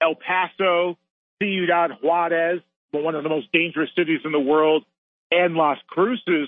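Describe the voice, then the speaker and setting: Fairly even intonation carries this speech along at a fairly slow tempo. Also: man, high pitch for a man. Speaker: political commentator guest. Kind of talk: radio interview.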